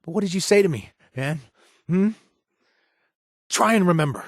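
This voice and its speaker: A man's voice: sits high, lively intonation, normal speed, no room sound, studio quality. A man voicing a weary, streetwise game companion who pleads emotionally with his lost brother, his voice rising when desperate. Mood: urgent pleading. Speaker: companion character in a video game. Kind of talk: game voice acting.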